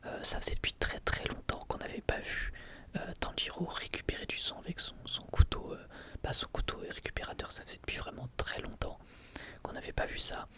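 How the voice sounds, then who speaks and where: A man whispering an ASMR review of an anime episode as the channel host, speaking hesitantly with frequent filler sounds and restarts. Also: brisk. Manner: soft whisper throughout.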